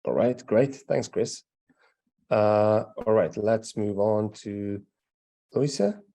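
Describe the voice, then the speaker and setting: A man's voice: fairly low pitch, slow, mellow. A man hosting an online teacher meetup, giving friendly step-by-step instructions and often checking in with "right?" and "okay?". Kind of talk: casual instructions on a video call. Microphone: video call.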